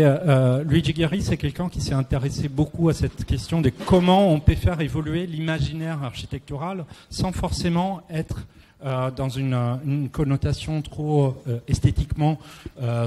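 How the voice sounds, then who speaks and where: Man, Italian accent, native Italian speaker, mellow voice, hesitant delivery, round table talk, background noise. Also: mid-range voice. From Italy. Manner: hesitant, searching for words. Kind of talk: semi-prepared talk on architecture and photography. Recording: echoey hall, clear background noise.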